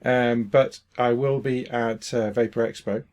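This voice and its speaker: A man's voice: medium pitch, fairly even intonation, measured pace, a little mellow. Easygoing male host, full of fillers. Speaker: host interviewing a guest. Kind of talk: casual interview chat.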